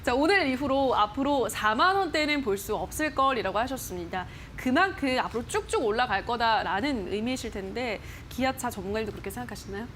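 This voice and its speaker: A woman's voice: fairly high pitch, animated, brisk, hardly any pauses, a little hiss or hum. A woman hosting a TV stock program, reading viewer posts aloud and questioning an expert in a chatty broadcast manner. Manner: bright, chatty, reads posts aloud with playful voices. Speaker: stock show host. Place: TV studio.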